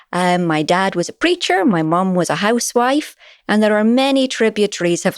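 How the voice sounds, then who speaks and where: A woman with a Northern Irish accent, lively intonation and a moderate pace, in a very clean recording with a silent background. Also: very even loudness. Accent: lilting Northern Irish. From Northern Ireland, County Armagh. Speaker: hematologist, clinician scientist. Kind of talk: podcast interview.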